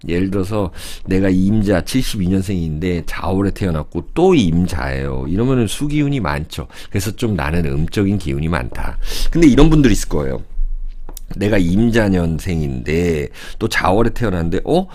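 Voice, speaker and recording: A man's voice: low voice, lively intonation, moderate pace, darkish tone. A man in his fifties lecturing in a casual, conversational way about fortune-telling charts, thinking aloud and asking rhetorical questions as he sketches.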